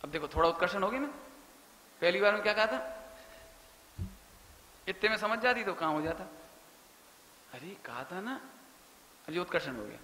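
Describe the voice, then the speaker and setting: A Jain preacher gives a sermon full of family anecdotes, softly voicing his relatives in the lines he quotes. His high voice is animated and brisk with frequent pauses. The hall is echoey with long reverb, faint ambience, and a slight hiss or hum.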